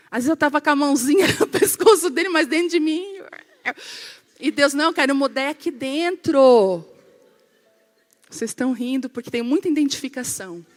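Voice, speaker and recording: A woman pastor, preaching in a humorous storytelling style and acting out dialogue in changing voices. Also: high-pitched. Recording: long reverb of a large hall.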